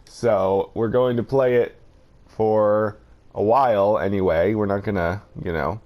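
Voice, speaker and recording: A man's voice: fairly low pitch, steady tone, unhurried, dull audio. A man hosting a gameplay video with casual commentary, rambling a little as he thinks aloud.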